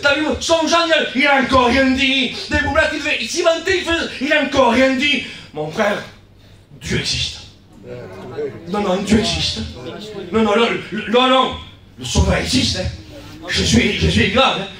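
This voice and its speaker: A man with a southern French accent preaching a sermon as guest pastor, building to shouts and dropping into quieter asides, often repeating himself. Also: very high-pitched, moderate pace, a crowd in the background. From South of France. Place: church hall. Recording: echoey church, from far off.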